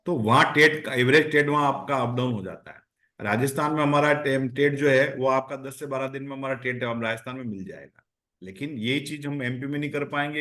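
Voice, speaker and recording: A man's voice: mid-range voice, a bit bright. A man with an Indian accent answering as a company executive on an earnings call, explaining step by step and repeating phrases for emphasis.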